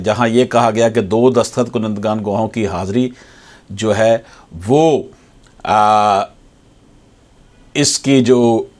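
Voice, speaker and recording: A man with a Pakistani accent explains law to viewers like an advocate, formally, repeating key points and switching into slowly read English. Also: fairly low pitch, darkish tone. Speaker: advocate presenting legal explainers. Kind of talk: explanatory legal lecture to viewers.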